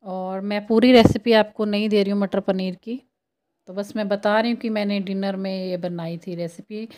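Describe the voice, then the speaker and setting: A woman's voice: medium pitch, fairly even intonation, moderate pace, darkish tone. Woman, 30s, casual cooking vlog voice-over, chatty explainer. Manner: chatty, explaining step by step to viewers. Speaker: home cooking vlogger.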